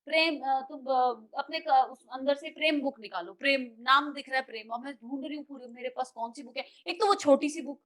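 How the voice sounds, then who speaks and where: A young woman leading a spiritual study group, telling stories in an animated way and mixing Hindi and English. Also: high-pitched, fairly quick, hardly any pauses. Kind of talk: casual group sharing.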